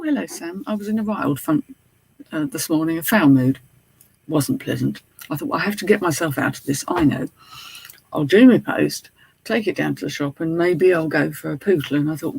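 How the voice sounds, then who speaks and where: A British man with a slight lisp from a mouth appliance and a husky, gravelly voice, rambling chattily to live viewers. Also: fairly high pitch, darkish tone, no echo, low-quality recording. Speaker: online reseller and streamer. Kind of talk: casual live chat to viewers.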